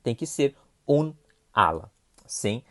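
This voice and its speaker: A man's voice: medium pitch, sing-song, takes it slowly. A man with a Brazilian Portuguese accent teaching a recorded Spanish review lesson, explaining patiently and often checking in with short questions.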